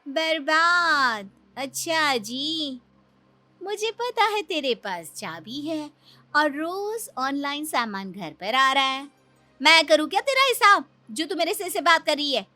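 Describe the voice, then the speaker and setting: A woman's voice: big pitch swings, slow, bright, forceful tone, no room sound, exaggerated voice. A woman voicing a pushy, sulky young wife in a Hindi cartoon, pleading and huffy by turns. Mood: demanding. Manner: pleading then huffy, high-strung.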